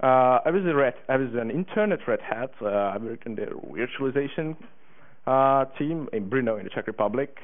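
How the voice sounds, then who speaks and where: In a conference room, a teenage speaker from Hungary, eighteen years old, presents a talk in an animated mid-range voice at moderate speed. His delivery is keen but full of fillers and false starts, captured on a thin, phone-like recording.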